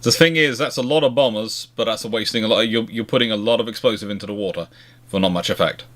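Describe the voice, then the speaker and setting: A man hosting a casual question and answer chat on naval history, talking haltingly and often circling back to rephrase. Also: on the low side, fairly bright tone. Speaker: live Q&A host answering viewer questions.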